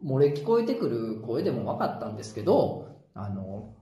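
A Kansai-accented man rattles through a late-night story at a brisk clip. His pitch jumps around in an animated way, and he keeps laughing at his own jokes. The room around him sounds echoey. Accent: Kansai Japanese. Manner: animated, jokey, chuckles through anecdotes. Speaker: podcast host. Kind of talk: casual storytelling chat. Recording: roomy echo.

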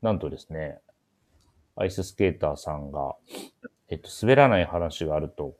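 A man's voice: rumbling low, normal speed, darkish tone. A man hosting a casual radio show, speaking politely with a teasing touch over a remote connection.

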